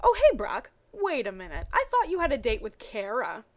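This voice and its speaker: A woman voicing an eager, chatty teenage girl, raising her voice with excitement. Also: a little high, moderate pace. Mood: excited. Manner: raised, excited delivery.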